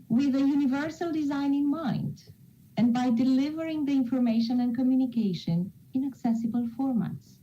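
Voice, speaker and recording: A woman from Romania, a native Romanian speaker with a Romanian accent, giving a prepared formal presentation in a deliberate, rhetorical manner. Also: mid-range voice, mellow, highs cut off, slight background noise. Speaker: conference presenter from an international organization.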